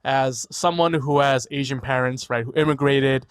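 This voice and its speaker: A Korean-born guest physician in his forties, now from New York, speaks in a smooth, mid-range voice with a steady tone at a moderate pace. Over a video call from a room in his home, he chats casually and thoughtfully in an interview, repeating words and often adding "right?"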